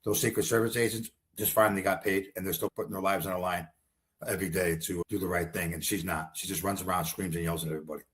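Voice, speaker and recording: A man's voice: deep voice, steady tone, fast talker, fairly bright tone. A man running for Congress, talking bluntly and combatively in a rambling political interview. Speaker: congressional candidate.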